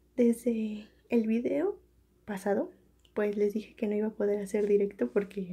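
In a Mexican accent, the quiet, somewhat breathy voice has a dark, mellow tone, ordinary pitch variation and a fairly slow pace. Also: woman. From Mexico. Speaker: youtuber. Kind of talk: casual vlog. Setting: at home late at night. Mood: cheerful, a bit embarrassed. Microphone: phone near.

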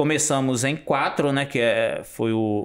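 A man at a very slow pace, ordinary pitch variation, quiet background. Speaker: restaurant entrepreneur; guest. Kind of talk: interview. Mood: relaxed, reflective. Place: studio. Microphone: studio mic.

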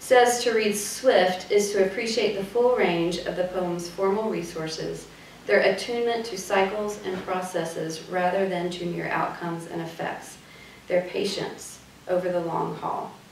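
A woman speaks with fairly even intonation. Audible room echo and light background noise surround her voice. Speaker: arts organization programs director introducing the author. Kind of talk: formal event introduction. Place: hall.

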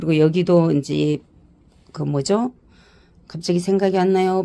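A woman talks at a fairly low pitch in a dark, mellow tone. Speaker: gardening video creator. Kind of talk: casual vlog walkthrough. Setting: indoors, plant room at home. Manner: chatty, laughs often. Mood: warm, proud, relaxed. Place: home room. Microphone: phone near.

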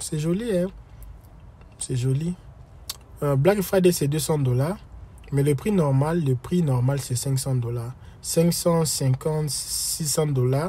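A man with a fairly high pitch and ordinary pitch variation speaks at a very slow pace, with long, frequent pauses, in a dry sound with no echo. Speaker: YouTuber vlogger. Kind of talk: casual vlog monologue. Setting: in a store, then in office. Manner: informal, hesitant, many fillers. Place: home room. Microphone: phone near.

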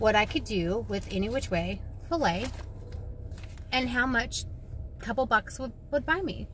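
A woman talks at a fairly slow pace with lively intonation. The sound is dry with no echo, over light background noise. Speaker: crochet vlogger. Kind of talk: casual vlog chat. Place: car. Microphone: phone near.

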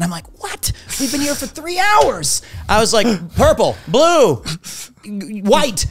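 The delivery is animated and fairly slow, broken up by long, frequent pauses. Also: man. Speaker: former English teacher and Twitch streamer; former English teacher, Twitch streamer. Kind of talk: casual chat. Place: studio. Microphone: studio mic.

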